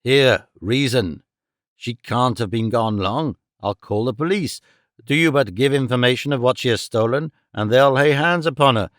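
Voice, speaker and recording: A man's voice: mid-range voice, normal speed, fairly bright tone, no room sound, studio quality, close to an everyday voice. A man voicing a stern, cold-hearted moneylender who speaks in a grim, menacing way. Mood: commanding.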